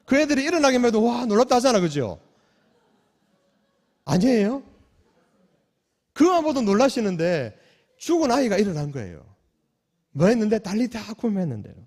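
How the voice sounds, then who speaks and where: A man preaching a sermon as pastor, asking the congregation questions and swinging between loud calls and soft, hushed lines. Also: high-pitched, very animated, normal speed, long pauses. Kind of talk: sermon at a night prayer meeting. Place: church sanctuary. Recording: long church hall reverb.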